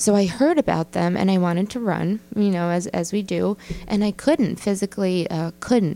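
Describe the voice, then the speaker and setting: Speaking at a moderate pace with an American accent, a woman uses a medium pitch, ordinary pitch variation, and a dark, mellow tone. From Staten Island, New York. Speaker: recovery fitness program co-founder. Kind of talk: interview.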